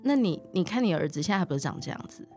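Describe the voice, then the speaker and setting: A woman's voice: lowish voice, racing, soft background music. A woman in her thirties with a Taiwanese Mandarin accent, a mother who is a podcast guest, telling stories and acting out the relatives she quotes. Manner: animated storyteller, acts out quoted relatives. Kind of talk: casual storytelling chat.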